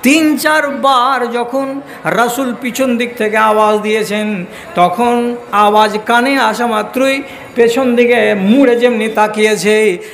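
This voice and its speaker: A man with a West Bengal Bengali accent preaching a sermon to a large gathering, in a chanting, sing-song delivery with drawn-out stressed phrases. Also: extremely high pitch, fairly even intonation, fairly bright tone, echoey room. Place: large religious gathering, public address.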